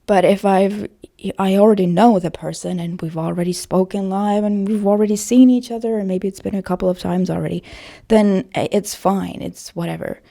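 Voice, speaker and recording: A woman talking in a casual personal vlog style, with a creaky voice and a hesitant, self-conscious, rambling manner. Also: medium pitch, fairly even intonation, moderate pace, dark tone. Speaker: voice actor vlogger.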